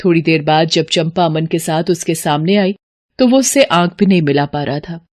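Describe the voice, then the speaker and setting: A woman's voice: low-pitched, moderate pace, darkish tone. Woman narrating a storybook tale.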